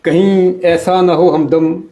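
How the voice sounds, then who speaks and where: High-voiced male poet reciting verse. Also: steady tone, warm tone. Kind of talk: poetry recitation with repeated lines.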